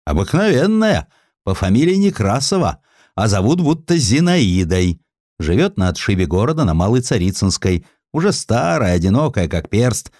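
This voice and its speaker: Man acting animated gossipy news reporter. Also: on the low side, moderate pace, no room sound, studio quality, pitched above the performer's own voice. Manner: colloquial, animated tattling. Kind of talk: Russian audio drama storytelling.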